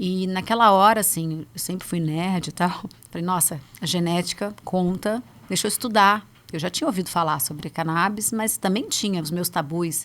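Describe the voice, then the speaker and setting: A woman with an unremarkable speaking voice at medium pitch, ordinary pitch variation and a moderate pace, on a very clean recording with a silent background. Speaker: psychologist. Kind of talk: podcast interview.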